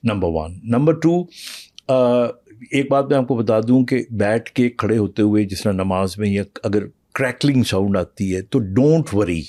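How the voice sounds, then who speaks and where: A man speaking as a doctor on a podcast, patiently walking through his answers with pauses and fillers. His voice is mellow and warm. The recording is dry and close. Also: on the low side, dry recording. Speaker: internal medicine doctor, podcast guest. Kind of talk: explanatory interview talk, mixing in English.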